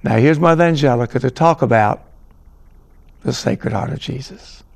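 A man introduces a religious TV show and reads a devotional passage in a solemn, deliberate way. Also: mid-range voice, vocal fry, heavy background noise. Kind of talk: devotional reading.

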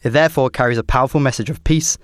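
A man's voice: medium pitch, racing, dry recording, studio quality. A man reading a scripted translation as a news voice-over. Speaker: voice-over interpreter.

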